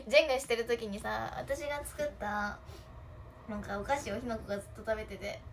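A woman's voice: on the high side, moderate pace, slight background noise. A young woman chatting casually on a livestream, giggling often and talking to viewers' comments. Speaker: idol livestream host.

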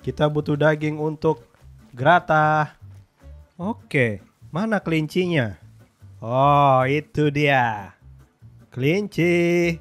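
A young man from Indonesia, giving excitable, slangy gameplay commentary. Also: a little high, slow pace, long pauses, faint music behind. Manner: excitable, slangy, swears in English often. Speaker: gaming YouTuber.

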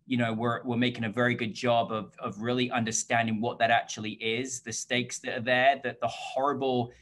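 A man's voice: medium pitch, little pitch movement, fairly quick, a bit bright. Effusive male interviewer on a video call. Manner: effusive, rambling. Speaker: interview host. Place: indoor room, video call.

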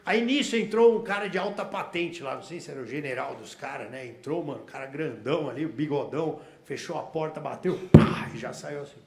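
A man's voice: a little high, lively intonation, brisk, few pauses. A Brazilian man doing stand-up, telling a story with slang and curses and acting out the dialogue in other voices. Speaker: stand-up comedian. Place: comedy stage before a laughing audience. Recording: echoey live room, audience noise.

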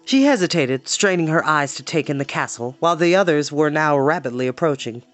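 A young adult man with an American accent, hosting an expressive storytime reading with casual asides. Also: a little high, brisk, faint music behind. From East Cleveland, United States. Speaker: storytime host. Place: small indoor home room with shelves.

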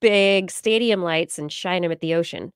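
A woman's voice: lowish voice, moderate pace, clear, resonant tone, no room sound. An American woman in her forties hosting a science podcast, reacting and asking questions casually into a close microphone. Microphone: close studio microphone on a boom.

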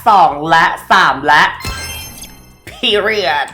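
A woman's voice: on the low side, very slow, bright, forceful tone, faint music behind. A woman hosting a game let's play, chatting politely and shrieking now and then. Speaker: gaming host.

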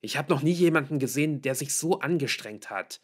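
A man's voice: medium pitch, lively intonation, measured pace, pitched above the performer's own voice. A man voicing a worried, frustrated middle-aged father in an audiobook, pleading insistently and emphatically with his daughter.

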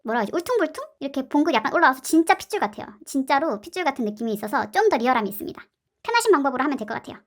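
A woman hosting a craft tutorial, chatting playfully and adding cute sound words as she works. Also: sits high. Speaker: slime and clay craft channel host. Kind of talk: casual craft tutorial narration.

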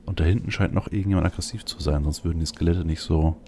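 Deep, creaky-voiced male let's player. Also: fairly even intonation, fast, mellow, a little hiss or hum. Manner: thinks aloud, speaks as "we". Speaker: let's play host. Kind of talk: casual video game commentary. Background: faint game ambience.

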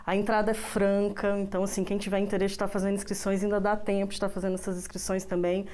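A woman in her thirties from Brazil speaks as a guest on a TV studio interview, talking casually with frequent restarts. Her voice sits at an ordinary middle pitch. The sound is close and clean from a lapel mic. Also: little pitch movement, fast talker, darkish tone. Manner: casual, fillers and restarts, uses "a gente vai tá". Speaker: project coordinator, guest.

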